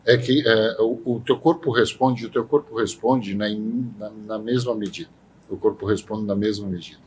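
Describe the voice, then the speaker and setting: Low-voiced man explaining. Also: steady tone, normal speed, slight background noise. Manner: explanatory, many restarts, rhetorical questions. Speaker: podcast panelist. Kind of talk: casual podcast discussion.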